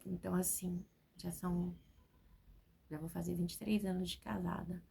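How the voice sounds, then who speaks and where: A woman's voice: lowish voice, flat delivery, normal speed, creaky, dark tone, slightly rough. A woman in her forties, a preacher, speaking from home and giving a spontaneous, talkative testimony sermon that is full of "né?". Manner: spontaneous, talkative, keeps adding "né?".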